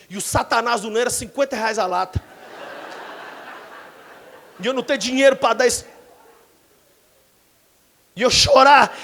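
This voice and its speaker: A man in his forties with a Brazilian Portuguese accent, preaching a sermon in a church, telling dramatic stories and breaking into shouts. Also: extremely high pitch, creaky. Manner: dramatic storytelling, bursts into shouts. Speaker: pastor.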